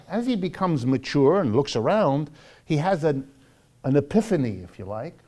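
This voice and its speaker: An American man delivers a public lecture in a mellow, soft-edged voice at a middling pitch. He speaks emphatically and dramatically, repeating key phrases and posing rhetorical questions to his listeners.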